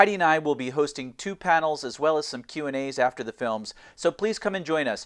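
A man with a plain, everyday voice, fairly high in pitch, talking fairly quickly with ordinary pitch variation on a very clean recording with a silent background. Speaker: podcast host and acting coach. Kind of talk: casual interview chat. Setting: theater studio recording.

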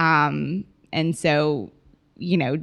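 A woman's very deep, low voice with an American accent, on a very clean recording against a silent background. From Oklahoma, small town. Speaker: nonprofit marketing director. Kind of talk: interview. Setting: studio.

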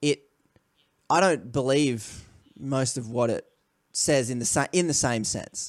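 A man's medium-pitched voice with an Australian accent, ordinary pitch variation, a fairly slow pace and long, frequent pauses. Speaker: podcast host. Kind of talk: casual chat.

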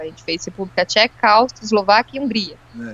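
Here a woman speaks at a fairly quick pace. She has an ordinary speaking voice with ordinary pitch variation. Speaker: cycle traveller. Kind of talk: casual interview chat.

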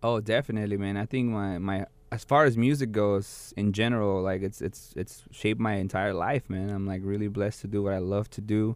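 A man's fairly low voice with a Spanish accent, fairly quick and fairly even, with hardly any pauses. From Mexico City. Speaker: rapper and DJ. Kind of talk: casual interview. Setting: studio.

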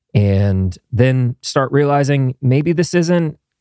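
A man with an American accent and a dark, mellow tone, in a dry, close sound with no echo. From US Midwest. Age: 30s. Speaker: podcast host. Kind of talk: casual chat.

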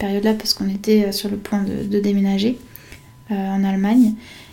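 Flat and monotone, a woman talks at a fairly slow pace. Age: 30s. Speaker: listener giving testimony. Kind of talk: recorded testimony.

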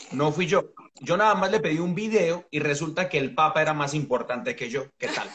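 At a fairly quick pace, a man with a normal speaking voice talks at a fairly high pitch with ordinary pitch variation. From San Diego, US.

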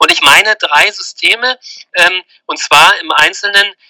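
The sound is dry and close with no echo. The pace is very slow. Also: man. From East Germany. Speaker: professor of social work. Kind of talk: interview. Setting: Skype call.

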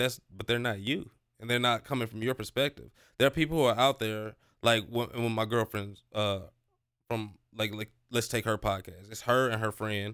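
A man's plain, everyday voice with an American accent, medium pitch, fairly even intonation and moderate pace on a very clean recording with a silent background. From St. Louis, Missouri. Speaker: podcast host. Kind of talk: casual chat. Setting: studio.

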